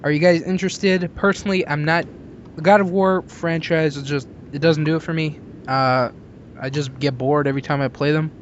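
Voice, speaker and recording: A man's voice: a little high, steady tone, fairly quick. A man hosting a podcast in a casual, chatty style. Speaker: podcast host. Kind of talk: casual chat. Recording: dull lo-fi voice chat, noisy.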